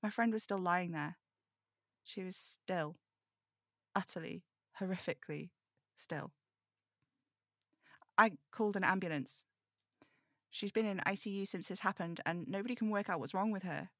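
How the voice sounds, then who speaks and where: A woman's voice: lowish voice, normal speed, long pauses, a bit bright, dry recording, clean studio sound. A woman playing a snarky, weary supernatural radio host in an audio drama, wry and brooding in manner. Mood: grave, shaken. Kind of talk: audio drama table read.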